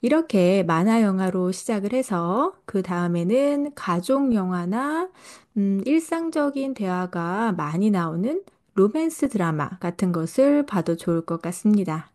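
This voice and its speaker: A woman reading a scripted podcast lesson for language learners, speaking slowly and carefully. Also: mid-range voice, lively intonation, darkish tone. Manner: slow, careful delivery for learners. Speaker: Korean language teacher and podcast host.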